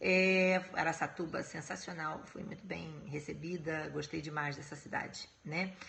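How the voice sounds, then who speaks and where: A woman speaks in a very deep, low pitch with vocal fry and monotone, flat intonation. Her fairly slow delivery has hardly any pauses, and room echo is audible. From Brazil, Rio de Janeiro. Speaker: law professor. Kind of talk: live-stream Q&A lecture. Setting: live stream from home. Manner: casual, conversational.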